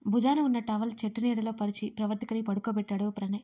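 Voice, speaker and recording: A woman narrating an audio story with expressive reading, speaking straight to her listeners. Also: medium pitch, fast.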